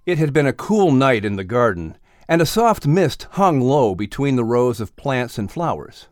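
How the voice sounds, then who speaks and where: A man's voice: medium pitch, sing-song, moderate pace, a little mellow, no room sound, studio quality, soft background music. A man reading scripted narration for a children's audiobook.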